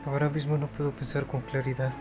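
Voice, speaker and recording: Quick-talking Spanish-speaking man reading aloud. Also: medium pitch, flat delivery, music in the background. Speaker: gaming video host. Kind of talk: reading game dialogue aloud.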